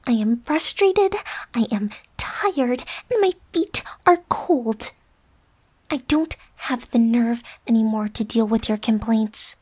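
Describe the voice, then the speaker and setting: High-pitched bossy tsundere roommate played by a woman. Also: lively intonation, takes it slowly, a little mellow, exaggerated voice. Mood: tired, frustrated. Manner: huffy, bossy, with breathy whispered asides. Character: bossy, defensive tsundere young woman roommate, secretly affectionate. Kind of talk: ASMR roleplay acting.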